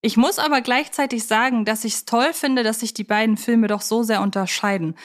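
A woman's voice: fairly high pitch, fairly even intonation, moderate pace. Reflective woman discussing films on a podcast. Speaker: podcast co-host. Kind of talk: conversational film analysis podcast.

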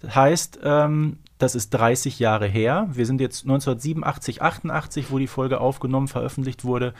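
A man's voice: medium pitch, steady tone, fairly quick. A middle-aged man co-hosting a podcast in a casual, chatty, exclamatory style. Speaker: podcast co-host. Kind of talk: casual fan discussion.

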